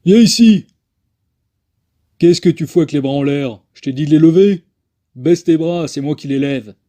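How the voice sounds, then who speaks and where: A man's voice: fairly high pitch, moderate pace, dark tone, lightly acted. A man voicing a bossy, contrary cowboy in a parody western film dub, giving petulant, bickering orders.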